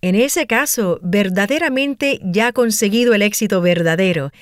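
A woman's voice: medium pitch, moderate pace, dry recording, clean studio sound, lightly acted. A woman playing a polite radio show host who interviews her guest in a gracious, admiring manner, in a scripted listening-exam dialogue.

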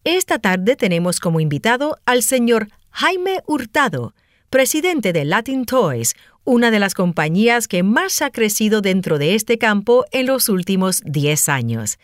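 A woman's voice: medium pitch, sing-song, unhurried, dry recording, studio quality. A woman playing a polite radio show host who interviews her guest in a gracious, admiring manner, in a scripted listening-exam dialogue.

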